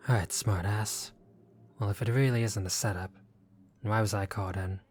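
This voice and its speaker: Wary young gangster for hire, played by a male actor, lowish voice, gruff but decent, sardonic and guarded, audio roleplay drama. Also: fairly even intonation, normal speed, darkish tone. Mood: suspicious, exasperated. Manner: guarded, sardonic, casual street talk.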